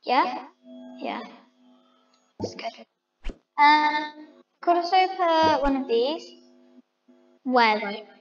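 High-voiced chatty woman playing a game. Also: animated, drawn-out words, pauses often, long reverb tail, dull audio, soft background music. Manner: chatty, thinking aloud, talks to viewers as guys. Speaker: vlogger. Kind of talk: casual game commentary.

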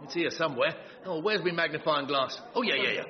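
A man's voice: a little high, quick pace, lightly acted. A man playing a shady, cheerful campaign fixer in a radio sitcom, slangy and wisecracking. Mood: brash. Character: shady, cheerful male wheeler-dealer campaign manager. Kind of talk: British radio sitcom acting. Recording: slightly dull, muffled recording.

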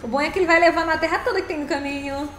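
A woman's voice: high-pitched, fairly even intonation, rapid-fire, a bit bright, a little hiss or hum. A woman, casually chatting on a live game stream, greeting viewers by name and laughing often. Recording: roomy echo.

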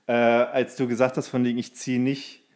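A man in his thirties co-hosting a podcast in relaxed, informal conversation. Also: medium pitch, normal speed. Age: 30s. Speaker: podcast co-host. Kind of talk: casual chat.

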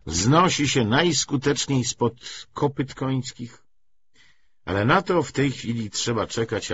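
Male audiobook narrator, husky, lively intonation, scripted literary reading, slightly muffled recording. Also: medium pitch, dry recording.

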